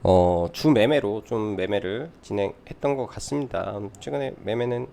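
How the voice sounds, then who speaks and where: A man's voice: fairly low pitch, moderate pace, creaky, warm tone, slight background noise. A man giving live stock market commentary as a trading adviser, explaining things by posing questions and answering them.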